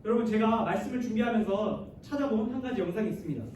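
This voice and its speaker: High-voiced young pastor in an echoey hall. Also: male voice, fast talker, darkish tone, distant mic, lo-fi sound. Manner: addresses the listeners often and asks them questions; leads the congregation in reading scripture aloud. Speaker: youth pastor. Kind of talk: sermon to high school students. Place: large church hall. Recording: very echoey hall, voice heard from afar, faint noise.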